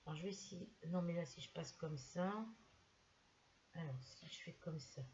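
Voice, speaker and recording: A hoarse woman vlogger chatting casually while she crochets, telling rambling stories with many fillers and restarts. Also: deep voice, normal speed, a little mellow, highs cut off, a little hiss or hum.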